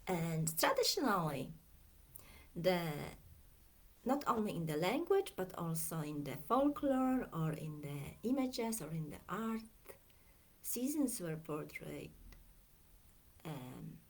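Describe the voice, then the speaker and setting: A middle-aged woman from Poland with a Polish accent, a coach talking in a slow, reflective way that often drifts into near-whispers. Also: lowish voice, very animated. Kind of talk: reflective Facebook video talk.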